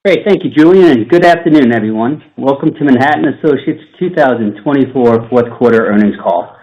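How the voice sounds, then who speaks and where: A man leading investor relations, reading cautionary statements in a steady, formal, scripted manner. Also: medium pitch, fairly quick. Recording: muffled conference-call audio.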